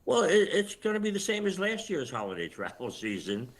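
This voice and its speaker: An older man giving commentary as an expert guest in a live news interview, explaining things in a measured, halting way. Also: high voice, wildly swooping pitch. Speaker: retired air traffic controller, interview guest.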